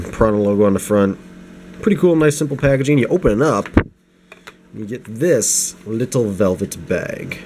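A young man with a somewhat low voice talks at an unhurried, rambling pace as he reviews a knife at home. He sounds tired and a little sniffly from a recent flu, and he trails into side comments. A faint hum runs underneath the recording. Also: darkish tone. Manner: rambling, self-deprecating, many restarts and asides. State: low energy, getting over the flu, sniffly. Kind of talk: casual unscripted product review. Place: home desk at night. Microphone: camera mic, hands-only framing. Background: space heater hum.

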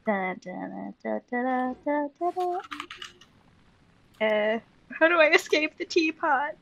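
Casting: excitable female gaming host, high voice, unhurried delivery, casual and giggly. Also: creaky, muffled recording. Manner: excitable, exclaiming, giggly, sing-song humming. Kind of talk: casual gameplay chat.

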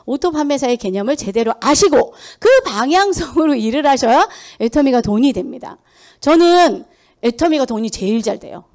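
A woman's voice: sits high, a little mellow. A middle-aged woman giving a motivational sales lecture, emphatic, firing rhetorical questions at her audience and mimicking people's excuses. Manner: acts out quoted excuses in mocking voices. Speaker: sales seminar speaker. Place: lecture hall.

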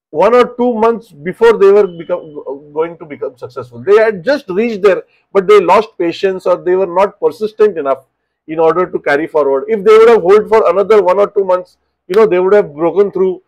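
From a small home office, a restaurant business coach in his thirties with an Indian English accent gives advice straight to camera. He is animated, gestures with both hands, and repeats words while explaining, and his high voice comes through a muffled recording.

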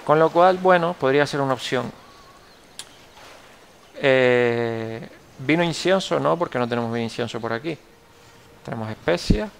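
A young man with a Canarian Spanish accent talks through a strategy game, thinking aloud, trailing off and correcting himself. His voice sits at an ordinary pitch with a gravelly, creaky edge. A faint hiss of noise runs underneath. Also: lively intonation, moderate pace, long pauses. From Canary Islands, Spain. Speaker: gameplay tutorial host. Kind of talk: casual gameplay commentary.

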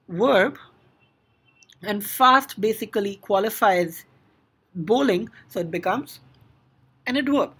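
A woman's voice: mid-range voice, fairly bright tone, slightly rough. A woman with an Indian English accent teaching a grammar lesson, explaining step by step with frequent "now" and "so".

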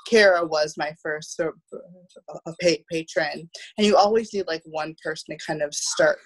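Low, husky woman, halting storyteller. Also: poor audio. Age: 30s. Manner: halting, repeating first syllables of words. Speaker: guest, theatre producer. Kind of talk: casual storytelling in conversation. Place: small room at home, on a video call. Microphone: video call, wearing headphones.

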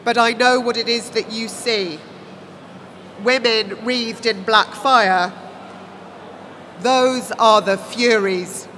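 A woman voicing a grave, grieving queen, measured, deliberate and coolly intent, in an audiobook. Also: fairly high pitch, expressive, sharp tone, big-room sound, a little hiss or hum, exaggerated voice, rough recording. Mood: solemn, knowing. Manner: slow, deliberate.

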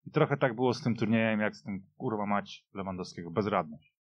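A man's voice: lowish voice, a little fast, no echo, muffled recording. A man reminiscing casually about football as a panelist, speaking in an emphatic, opinionated way. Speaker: podcast panelist. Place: dry radio studio.

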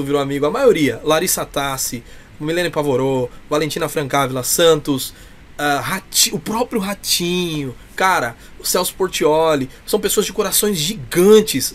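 A man with a Brazilian accent chatting casually and effusively as an interview guest. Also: fairly high pitch. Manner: effusive, talkative. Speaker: interview guest, clown performer. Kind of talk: casual chat. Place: indoors, small room with cloth backdrop.

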